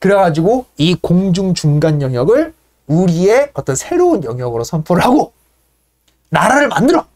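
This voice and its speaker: A woman playing a brash, scheming smooth-talker. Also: on the low side, a little mellow, pitched below the performer's own voice. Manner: hectoring, cocky, keeps prodding with "어?". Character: brash, scheming Athenian man talking birds round.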